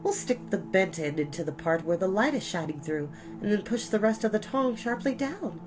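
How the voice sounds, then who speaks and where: A woman's voice: medium pitch, animated, normal speed, music in the background, pitched above the performer's own voice, lightly acted. A woman voicing a clever, determined young girl who explains things eagerly and emphatically in a storybook read-aloud. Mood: excited, explaining.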